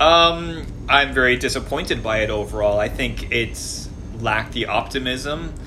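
A man with a Canadian accent at a moderate pace, over noticeable background noise. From Canada. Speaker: podcast host. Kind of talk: casual chat over beers.

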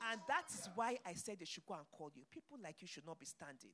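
A woman talks at a fairly quick pace. Her tone is animated and her intonation lively. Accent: Nigerian. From Nigeria, Lagos. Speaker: pastor. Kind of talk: sermon.

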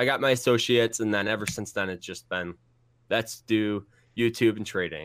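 A man with an American accent talks at a fairly quick pace in a fairly low voice with ordinary pitch variation, a plain, everyday voice. The recording is very clean, with a silent background. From Michigan. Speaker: day trader and YouTuber. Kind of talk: interview. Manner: casual.

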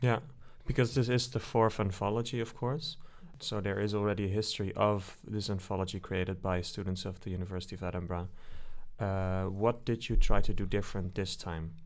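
A man with a plain, everyday voice speaks at a fairly low pitch and a fairly quick pace, keeping his intonation fairly even. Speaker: podcast host. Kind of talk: interview.

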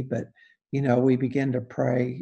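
At a fairly slow pace, a man with an American accent speaks in a relaxed, dark, mellow tone at a medium pitch, his voice somewhat breathy. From US South, Oklahoma. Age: 70s. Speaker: retired campus ministry director. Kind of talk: casual interview. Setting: video call. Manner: relaxed, conversational, some hesitations.

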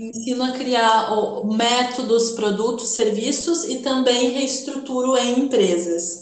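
Speaking at a very slow pace with hardly any pauses, a woman uses a high pitch and ordinary pitch variation. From Porto Alegre, Brazil. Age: 20s. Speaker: business consultant. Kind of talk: casual chat. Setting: video call.

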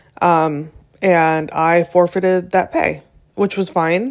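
The woman speaks with an American accent and fairly even intonation. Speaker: personal finance podcaster. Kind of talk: solo casual monologue. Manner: casual, filler-heavy.

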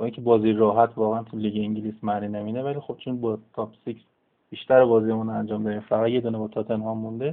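A man's medium-pitched voice at a very fast pace. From Iran, Shiraz. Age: 20s. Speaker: football fan podcast host. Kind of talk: casual chat.

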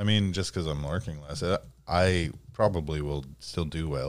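A man with an American accent, a very deep, low pitch and a moderate pace, in a very clean recording with a silent background. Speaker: podcast guest. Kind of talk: casual chat.

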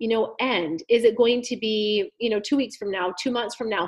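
A woman with an American accent and a plain, everyday voice speaks at a moderate pace, her fairly high pitch carrying lively intonation. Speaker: personal trainer and health coach. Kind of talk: casual chat.

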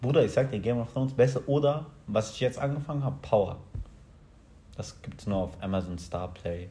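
With a dark, mellow tone at a medium pitch, a man talks at a moderate pace in a somewhat breathy voice, his lively intonation paired with big swings in loudness and long, frequent pauses. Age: 20s. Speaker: podcast co-host, student. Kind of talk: casual chat.

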